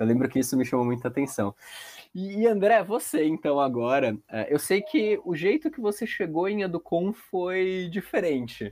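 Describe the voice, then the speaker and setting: Speaking at a moderate pace with a strong São Paulo accent, a man uses a high pitch and very wide pitch swings. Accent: strong São Paulo city. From São Paulo city, Brazil. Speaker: podcast host. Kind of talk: podcast interview.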